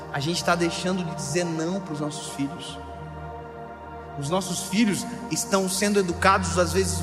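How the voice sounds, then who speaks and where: A pastor in his thirties preaches with a light, high voice, swinging from playful asides to near shouts. His words ring out through a large hall with long reverb. Music plays clearly underneath. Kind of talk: sermon.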